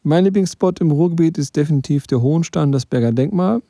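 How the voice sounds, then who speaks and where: Very dark, creaky-voiced man giving a recommendation. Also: fairly high pitch, quick pace, no room sound, clean studio sound. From Witten, Ruhr area, Germany. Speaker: listener sending a voice message. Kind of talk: prepared spoken recommendation.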